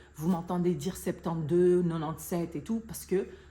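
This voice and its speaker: A dark, mellow tone with vocal fry. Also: woman. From Mauritania, raised in Central African Belgian schools. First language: non-French (Mauritanian/Senegalese language) (speaking French). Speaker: YouTuber and podcaster. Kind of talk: casual storytelling vlog. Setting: sitting on the floor of her living room. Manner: hesitant, many fillers and repetitions. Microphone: microphone problems, sound quality worries.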